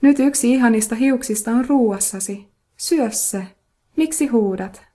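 A woman voicing an indignant wife who answers her husband back with sharp retorts. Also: fairly high pitch, natural voice.

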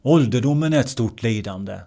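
A man teaching meditation in a measured way, often repeating key words. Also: mid-range voice, lively intonation, creaky, warm tone. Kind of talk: translated meditation discourse.

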